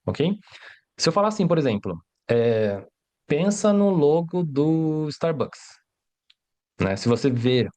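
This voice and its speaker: A man with a mellow, mid-range voice gives a livestreamed Mandarin lesson in Portuguese, which he learned as a second language. He explains things step by step, uses rhetorical questions, and frequently checks in with "né?" and "tá?".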